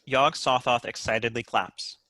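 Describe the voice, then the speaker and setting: A man's voice: mid-range voice, measured pace, sharp tone, no echo. A man giving scripted narration, reading out screenplay stage directions at a table read.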